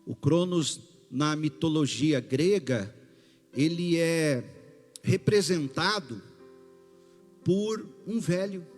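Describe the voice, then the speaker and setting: A male pastor with a Brazilian Portuguese accent, preaching a sermon in a slow, emphatic way with rising bursts. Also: fairly high pitch, darkish tone. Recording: long hall reverb with faint music.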